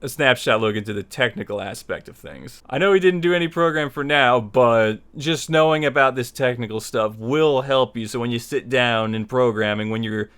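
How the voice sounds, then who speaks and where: A man's voice: medium pitch, moderate pace, few pauses, fairly bright tone, smooth. Man giving a rambling, informal lesson. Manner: conversational and rambling, repeats himself for emphasis. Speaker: tutorial series host. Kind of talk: informal spoken lesson, opinionated explanation.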